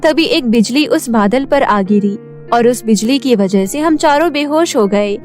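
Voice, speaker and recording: A woman's voice: a little high, animated, unhurried, darkish tone, faint music behind. A woman voicing an earnest, worried female fairy in a cartoon story. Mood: explaining.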